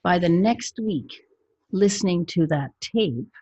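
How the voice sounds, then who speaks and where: A woman's voice: lowish voice, lively intonation, takes it slowly, warm tone, husky, dry recording, muffled recording. A woman hypnotherapist, a guest on a podcast, speaking matter-of-factly about her clients. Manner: matter-of-fact, tells client stories. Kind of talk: casual podcast interview.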